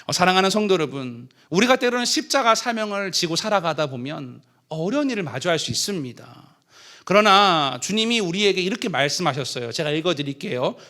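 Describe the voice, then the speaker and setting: High, lively young male pastor preaching. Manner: animated storyteller, acts out his own prayers and quotes. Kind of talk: sermon with personal story.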